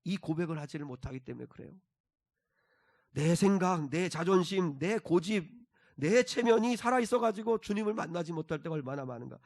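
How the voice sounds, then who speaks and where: Man, pastor, preaching a sermon, fairly high voice, quiet asides and loud emphatic calls. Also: lively intonation, brisk. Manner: swings between soft asides and loud emphatic exhortation; leads congregation in reading scripture aloud.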